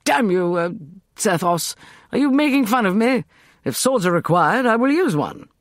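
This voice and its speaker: Man doing a peevish scholarly gent, high strained pitch, husky. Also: expressive, normal speed, fairly bright tone, no room sound. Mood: angry. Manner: peevish, agitated. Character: mild scholarly Englishman turned peevish and fierce.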